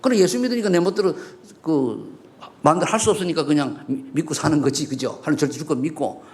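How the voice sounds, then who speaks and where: Middle-aged man, pastor, sermon in a church, high lively voice, gravelly edge, rhetorical questions. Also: quick pace. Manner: rhetorical questions to the congregation, swings between loud and hushed. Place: church sanctuary.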